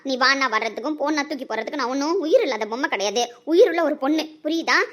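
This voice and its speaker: A woman's voice: sits high, expressive, rapid-fire, a bit bright. A woman playing a stubborn young wife in an amateur audio drama, with defiant, taunting retorts.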